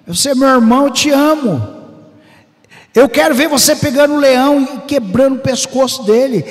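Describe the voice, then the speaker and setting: A man preaching a fervent Pentecostal sermon, breaking into shouts and sing-song phrases. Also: very high voice, moderate pace, big-room sound. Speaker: pastor. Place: church hall.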